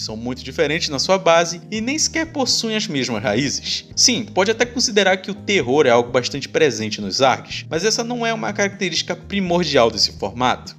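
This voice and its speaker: A young Brazilian man narrates a video essay in a casual, conversational style. His voice sits a bit high for a man and swings widely in pitch. He slips in playful asides while music plays softly behind him. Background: background music.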